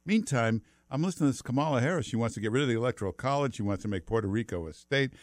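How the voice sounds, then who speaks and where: A man's voice: mid-range voice, expressive, racing, dry recording. An older man hosting a call-in radio show, blunt and sarcastic, leaning hard on his points. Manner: blunt, sarcastic, emphatic storyteller. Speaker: radio talk show host. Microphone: studio mic.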